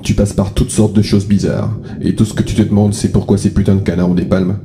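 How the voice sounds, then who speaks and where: A man's voice: sits low, fairly even intonation, fairly quick, vocal fry, background noise. A man acting a blunt, sardonic, foul-mouthed mentor in a comedic audio drama parody.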